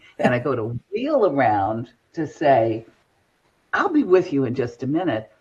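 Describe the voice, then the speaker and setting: Her somewhat breathy voice swings very widely in pitch as the woman speaks. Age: 70s. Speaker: spiritual medium. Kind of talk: interview storytelling.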